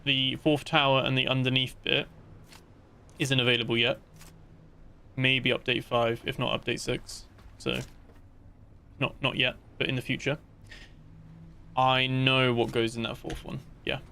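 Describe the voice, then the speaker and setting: A man's voice: medium pitch, level tone, unhurried, vocal fry, pauses often, bright, forceful tone, slight background noise. A man chatting casually while livestreaming a game, rambling with many fillers and restarts as he talks to his viewers. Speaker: gaming livestreamer. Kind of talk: casual live gameplay chat.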